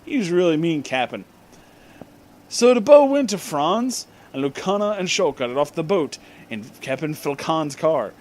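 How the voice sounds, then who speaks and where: Slow, higher-voiced man reading aloud. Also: very animated, a little mellow. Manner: deliberately reads misspellings as written. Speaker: host reading fan fiction aloud. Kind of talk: comedic dramatic reading with asides.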